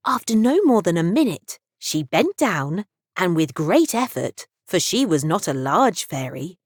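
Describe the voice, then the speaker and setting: A woman narrating audiobooks in an expressive, scripted storytelling style. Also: on the low side, a little slow, no echo, studio quality.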